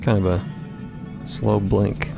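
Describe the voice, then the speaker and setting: A man's voice: fairly low pitch, level tone, slow pace, gravelly. A man narrating an audio drama in a conversational, storytelling tone. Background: loud background music.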